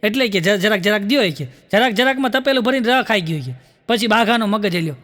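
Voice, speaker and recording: Comic guy, bright sharp voice, big hall echo, punchy. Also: sits high, animated, quick pace. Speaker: comedian. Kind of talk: stage joke telling.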